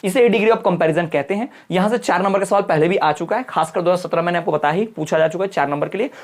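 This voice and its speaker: A man's voice: sits high, fast. Quizzing, repetitive male grammar tutor. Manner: asks questions then answers them, repeats words, keeps checking with "है ना". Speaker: online exam-prep English teacher. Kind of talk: lecture in Hindi explaining grammar.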